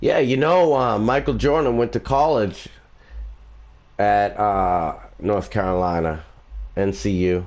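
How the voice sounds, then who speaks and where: In a Boston accent, a man speaks at a fairly low pitch and fairly slow pace with lively intonation. His loudness stays very even, and he leaves long, frequent pauses. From Boston, Massachusetts. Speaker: gaming live streamer. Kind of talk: casual live stream chat.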